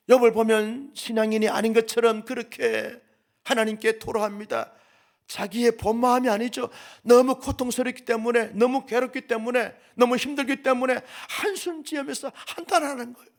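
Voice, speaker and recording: A man's voice: very high voice, fairly even intonation, normal speed. A male pastor preaching a dawn service sermon with impassioned, emphatic repetition.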